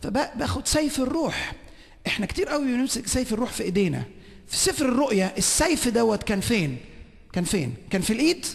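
A man with an Egyptian Arabic accent preaching a sermon at a conference, swinging between shouting and hushed whispers. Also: very high-pitched, very animated, fast, creaky, breathy edge, long reverb tail. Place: large conference hall.

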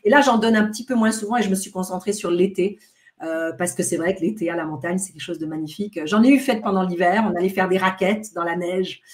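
A woman's voice: on the low side, steady tone, fast, darkish tone. A middle-aged woman with a light Swiss French accent, talking as a guest over a video call, often hesitating and restarting phrases. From France, of American parents. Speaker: guest, detox retreat organizer. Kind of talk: casual video-call interview. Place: home room.

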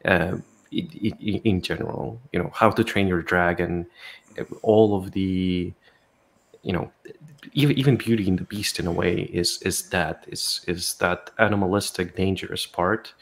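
A man's voice: low-pitched, fairly even intonation, normal speed, vocal fry, a bit bright. A man in casual discussion on a video call, hesitant and repeating words as he thinks.

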